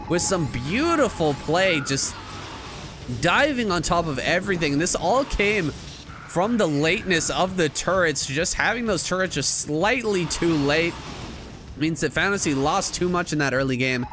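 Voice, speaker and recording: A man giving solo play-by-play commentary on a strategy video game, excited and rambling, while losing his voice. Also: a little high, background noise. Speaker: game caster.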